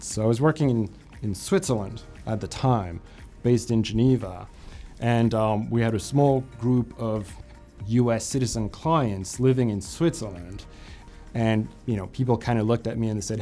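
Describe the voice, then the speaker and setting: Man from France, mellow voice, relaxed interview talk, faint background music. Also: fairly low pitch. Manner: relaxed, with frequent fillers and restarts. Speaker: financial advisor. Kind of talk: company profile interview.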